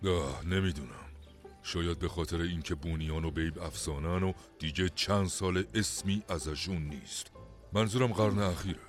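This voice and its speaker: A skeptical, easygoing grown man who drawls out his doubts, as a man plays him in a cartoon dub. His voice sits very low, with faint music behind. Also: close to an everyday voice. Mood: doubtful.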